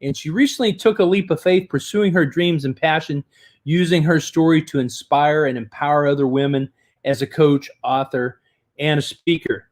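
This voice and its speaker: An enthusiastic male host introduces his guest and leads the interview. His voice sits a little higher than most men's. He sounds upbeat and keeps things moving. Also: darkish tone.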